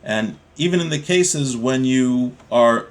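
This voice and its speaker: A man of ordinary middle pitch teaches a class on Jewish law in an unhurried, explanatory way. He reads brief lines and then restates them in everyday English, repeating the key ideas so listeners can follow. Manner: calm, explanatory, repeats points for clarity. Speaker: Torah teacher. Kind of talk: text study class, reading Hebrew then explaining in English.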